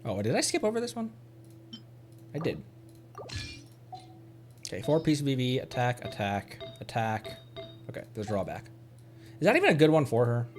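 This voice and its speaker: A male game streamer with a lively, swinging pitch and a mid-range voice. He chats casually and playfully, half to himself and half to viewers, over background music. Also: moderate pace, long pauses. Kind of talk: casual live game commentary.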